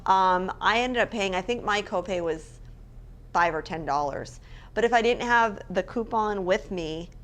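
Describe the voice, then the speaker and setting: A woman's voice: mid-range voice, measured pace, fairly bright tone. A woman co-hosting a casual talk show, chatty and self-mocking as she tells stories. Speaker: co-host. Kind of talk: casual chat. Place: hotel room.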